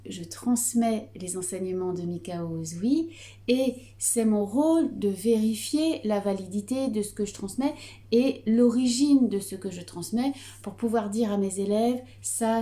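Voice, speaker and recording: A middle-aged woman with a Breton French accent explains a Reiki teaching in an unhurried, hesitant way, pausing often on fillers. Her voice is soft and dark-toned, sitting at an ordinary pitch for a woman. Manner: calm, hesitant with frequent fillers. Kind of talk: explanatory video lesson.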